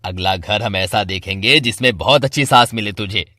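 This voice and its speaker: A man's voice: lowish voice, normal speed, sharp tone, no room sound, studio quality. A man voicing a firm older father who lectures bluntly. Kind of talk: Hindi family drama voice acting.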